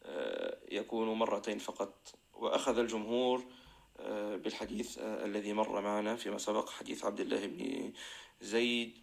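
Low gravelly sheikh teaching a lesson. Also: male voice. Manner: chants call-to-prayer phrases, frequent drawn-out fillers. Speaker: sheikh teaching Islamic jurisprudence. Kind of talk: religious lesson explaining a verse text.

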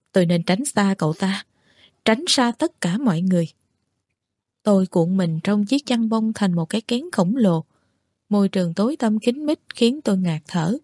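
A woman reading a novel aloud in the first person, at an even, measured pace. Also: medium pitch, no echo, studio quality. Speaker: audiobook reader.

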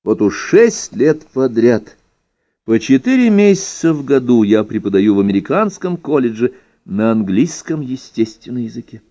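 A man reads a witty essay aloud in a mellow, darkish voice. His pitch rises and falls freely as he leans on the ironic turns. The recording sounds a bit dull and lo-fi. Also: normal speed. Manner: expressive, ironic, lively emphasis. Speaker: reader. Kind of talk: reading an ironic first-person essay aloud.

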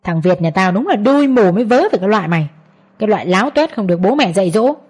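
A woman voicing a shrill, scornful older mother-in-law in a narrated story, wailing and raised. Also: expressive, quick pace, a little mellow, slightly rough.

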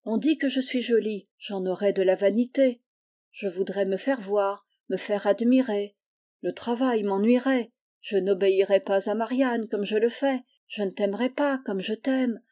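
A woman voicing a gentle, pious blind young girl in a storybook reading, soft, calm and resigned. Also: medium pitch, normal speed, lightly acted.

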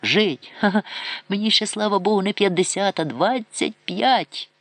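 A man voicing a bitter young mother of twenty-five who scolds her family loudly and scornfully. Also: sits high, moderate pace, dry recording, pitched above the performer's own voice. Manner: scornful, shouting, defiant.

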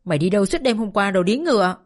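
A woman's voice: animated, fast talker, soft background music, close to an everyday voice. A woman reading an audiobook, voicing a furious middle-aged mother who screams abuse at her daughter. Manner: shrill, raging, abusive scolding.

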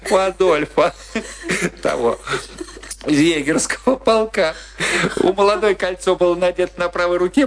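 An actor playing a middle-aged, wry, philosophizing husband in a bitter long marriage, in a Russian radio play with theatrical, musing delivery. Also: male voice, a little high, slight background noise, heavily acted. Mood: animated, mocking. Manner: theatrical, musing, swinging between teasing and brooding. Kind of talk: Russian radio play acting, dramatic dialogue.

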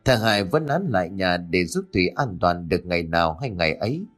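Man reading a ghost story, low voice. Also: very animated, brisk, a bit bright. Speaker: narrator. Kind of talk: scripted ghost story narration. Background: faint music.

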